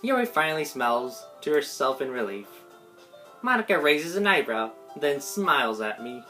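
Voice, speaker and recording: A woman narrating a visual novel, reading the story text aloud in a halting way with some stumbles. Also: low-pitched, very animated, sharp tone. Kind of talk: live dramatic reading of game text. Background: game music.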